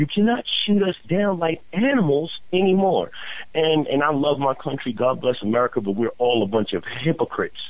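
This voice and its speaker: Speaking with a New York accent, a man with a fairly high pitch moves at a moderate pace through very wide pitch swings while his loudness stays very even. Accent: New York City. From New York, South Bronx. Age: 30s. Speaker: lawyer and activist marcher. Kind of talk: phone interview. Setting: phone call.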